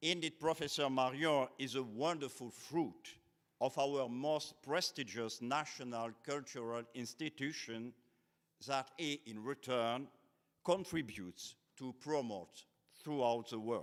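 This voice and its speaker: With a French accent, a man talks at a fairly slow pace, his medium pitch rising and falling in an ordinary way. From France. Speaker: university dean introducing a lecture. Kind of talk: formal lecture introduction. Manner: formal.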